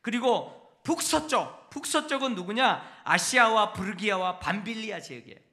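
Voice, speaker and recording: Male pastor, sermon delivery, bright forceful tone, teacherly with constant rhetorical questions. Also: high-pitched, expressive, moderate pace. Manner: teaching, asks the congregation frequent rhetorical questions. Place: church sanctuary.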